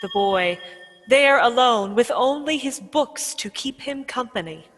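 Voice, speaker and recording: A woman voicing a solemn guiding spirit in a radio play, measured and formal, in a long reverb. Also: fairly high pitch, expressive, soft background music. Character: Ghost of Christmas Past, solemn guiding spirit. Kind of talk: dramatic radio play acting. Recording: long cavernous reverb, faint background noise.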